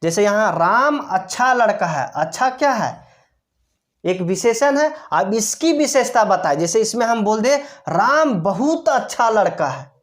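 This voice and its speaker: A woman's voice: medium pitch, lively intonation, a little slow. A woman grammar teacher explaining step by step, asking rhetorical questions and answering them herself, repeating each key term. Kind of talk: classroom-style explanation.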